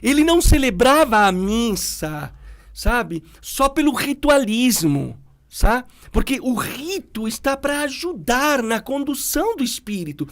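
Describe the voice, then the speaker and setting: A middle-aged man, a priest, talking in a relaxed way and telling stories, acting out the people he quotes. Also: extremely high pitch, unhurried. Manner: animated, acts out quoted people. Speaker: priest guest. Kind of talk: conversational storytelling.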